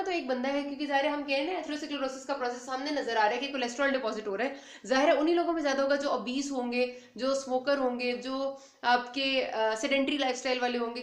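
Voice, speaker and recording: A woman's voice: high-pitched, reverberant. A young woman teaching an exam-focused pathology lecture, explaining step by step and often checking in with her students. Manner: explanatory, mixes English terms into speech, frequent "ठीक है" check-ins. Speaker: medical lecturer.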